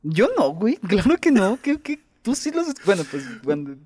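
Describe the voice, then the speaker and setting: A young man with a Mexican accent co-hosting a casual podcast, slangy and quick to laugh while telling stories. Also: high-pitched, very animated, darkish tone, no echo. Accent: Mexican Spanish. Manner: slangy, laughs often, tells anecdotes. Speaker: podcast co-host.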